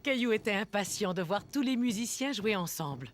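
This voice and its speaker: A gentle female storyteller performed by an actress narrates a children's cartoon. Her voice is expressive and melodic at an ordinary height, with loud music underneath. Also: mid-range voice, brisk, natural voice. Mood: gentle, amused.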